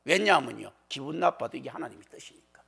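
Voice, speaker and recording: A man preaching a colloquial, dramatic sermon, dropping often into hushed whispers. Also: medium pitch, expressive, quick pace, vocal fry, husky. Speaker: pastor.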